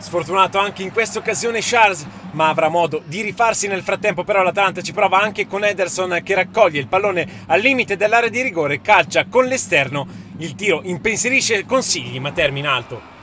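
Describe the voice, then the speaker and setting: A man's raised, projected voice, high in pitch and energetic in tone, at a fairly quick pace over noticeable background noise. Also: ordinary pitch variation. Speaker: football commentator. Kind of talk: football match highlights commentary, recap voiceover. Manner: fast, energetic play-by-play delivery.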